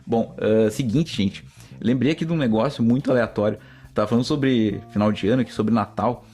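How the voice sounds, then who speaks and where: Soft music plays behind a Brazilian man whose dark, medium-pitched voice moves fairly quickly. He's hosting a solo podcast, spinning rambling, chatty stories directly to listeners and often calling them "gente".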